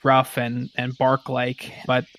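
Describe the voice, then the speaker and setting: A man's voice: medium pitch, completely flat delivery, a bit bright, rough recording. Thoughtful man describing his game character. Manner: thoughtful, halting, rephrasing as he goes. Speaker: player in a tabletop role-playing game.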